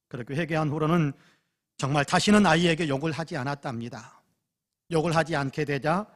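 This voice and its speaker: Man, pastor, Sunday sermon, slightly high pitch, dramatic storytelling, church sanctuary. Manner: dramatic storytelling, acting out quoted shouting and prayer.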